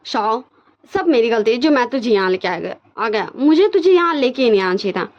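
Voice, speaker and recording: A woman's voice: fairly high pitch, expressive, brisk, lo-fi sound, natural voice. Woman reading as a remorseful young man. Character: guilty young man blaming himself.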